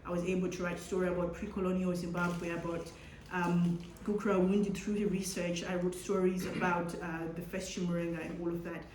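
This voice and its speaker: A woman's voice: fairly low pitch, level tone, a little fast, a little mellow. A young woman speaking as an author on a festival panel, earnest, with frequent ums and restarts. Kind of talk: panel talk at a book festival. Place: event hall. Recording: echoey hall, background noise.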